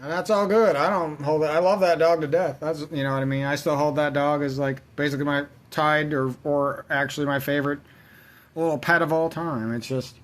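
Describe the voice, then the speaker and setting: A man's voice: fairly high pitch, fairly even intonation, fairly quick, a bit bright. A man ranting in casual let's-play commentary, rambling and swearing constantly as he vents. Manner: rambling, profane, venting. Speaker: gaming channel host.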